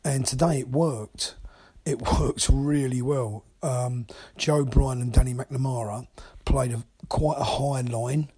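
A man enthusiastically leaving a voice message as a caller to a fan show, pausing with frequent ums. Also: medium pitch, fairly even intonation, warm tone, breathy edge. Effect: recorded voice message. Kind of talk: casual fan phone-in.

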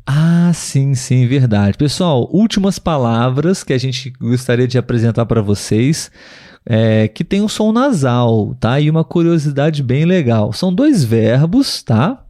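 A man hosting a live podcast language lesson, speaking patiently and repeating words slowly for learners, often checking with his listeners. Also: mid-range voice, very animated, warm tone. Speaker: podcast host and language teacher.

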